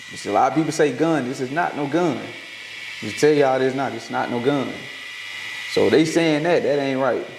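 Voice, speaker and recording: Long, frequent pauses from a man with an American accent and fairly high pitch, amid noticeable background noise and audible room echo. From US South, Georgia (Fort Valley). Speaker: tattoo artist. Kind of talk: casual chat. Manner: animated.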